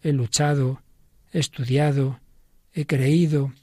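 Man reading elderly dying male philosopher, husky, dry close sound, slow halting delivery. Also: mid-range voice, steady tone, darkish tone, dry recording. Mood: earnest.

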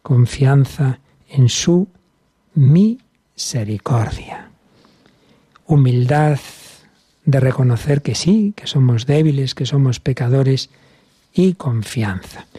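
A man's voice: medium pitch, slow, pauses often, dark tone, slightly rough, dry recording. A man preaching a sermon to viewers in an earnest way, lingering on key words. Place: video recording to viewers.

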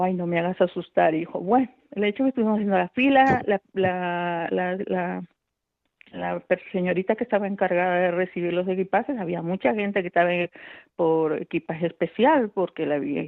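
A woman's voice: fairly low pitch, fairly quick, creaky, dry recording. A middle-aged woman, a radio volunteer, tells a personal story over the phone. She speaks with feeling, calls herself a nervous person, and acts out the voices of the people she quotes. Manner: self-described nervous, anxious speaker. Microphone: telephone. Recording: tinny dry phone line.

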